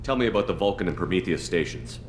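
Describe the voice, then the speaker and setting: Blunt, quick commander. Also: male voice, sits low, expressive, a little hiss or hum. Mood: stern, questioning. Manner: blunt, terse, demanding. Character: tough, blunt male space soldier commander. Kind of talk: scripted video game dialogue.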